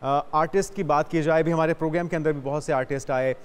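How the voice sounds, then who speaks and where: High-pitched Pakistani male TV co-host. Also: fairly even intonation, quick pace, smooth. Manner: polite, mixes in English words. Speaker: TV morning show co-host. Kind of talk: broadcast interview.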